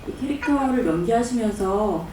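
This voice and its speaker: A woman's voice: a little high, animated, moderate pace, mellow, recorded from a distance, a little hiss or hum. Composed woman moderator in an echoey hall. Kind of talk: posing questions to the panel. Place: cinema press conference hall.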